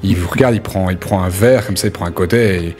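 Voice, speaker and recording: A male game master with a very deep voice improvises scene descriptions for a tabletop game. His delivery is casual and conversational, over background music. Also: fast talker. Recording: music playing under the voice.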